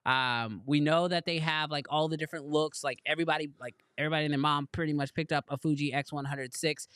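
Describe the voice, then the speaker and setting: Smooth-voiced man hosting a podcast. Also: fairly high pitch, steady tone, fairly bright tone, no room sound, studio quality. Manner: quick, enthusiastic, rephrasing often. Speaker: podcast host. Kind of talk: casual podcast chat.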